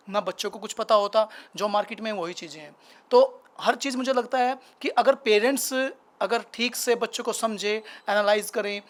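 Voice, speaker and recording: A man speaking as a guest's father, explaining his views in a measured way. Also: high-pitched. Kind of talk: casual interview answers.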